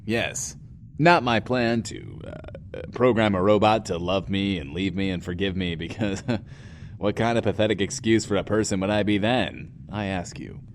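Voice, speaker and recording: An actor playing a lonely, eccentric bunker radio host in an audio drama, theatrical and wordy, muttering self-justifying asides. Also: male voice, lowish voice, normal speed, slight background noise, lightly acted. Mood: scheming, defensive.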